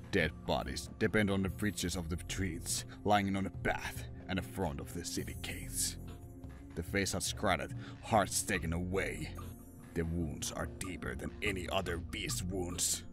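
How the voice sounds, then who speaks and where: Deep, slow man narrating horror over music. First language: not English. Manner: ominous, dramatic. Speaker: narrator and writer. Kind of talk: scripted horror story narration.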